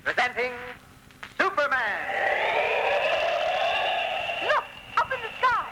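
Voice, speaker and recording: A man exclaiming excitedly in 1940s radio announcer style, on an old worn recording. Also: very high-pitched, slow, heavy background noise, heavily acted.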